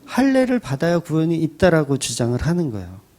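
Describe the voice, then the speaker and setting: 생동감 있게 설교하는 남자 목사. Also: male voice, fairly high pitch, brisk. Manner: colloquial, dramatic storytelling with acted quotes; animated, rising and falling delivery. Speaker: pastor. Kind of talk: Sunday sermon, expository Bible teaching.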